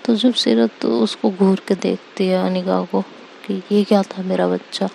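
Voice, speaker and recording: A woman's voice: mid-range voice, fairly even intonation, unhurried, vocal fry, warm tone, slight background noise. A woman narrating a romance story in a casual, conversational way, mixing in English words.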